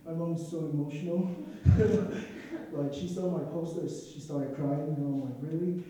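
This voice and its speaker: A man's voice: on the high side, fairly even intonation, normal speed, dark tone. A young man from Nigeria with a Nigerian accent, telling a personal story to an audience, earnest and emotional with asides. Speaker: student speaker. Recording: echoey room, distant from the mic.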